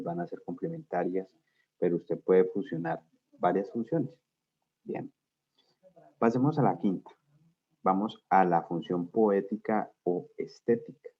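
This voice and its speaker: Low raspy guy teaching a class, keeps asking if students follow, muffled audio. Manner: explanatory, asks students frequent check questions. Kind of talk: class lecture. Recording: dull lo-fi sound.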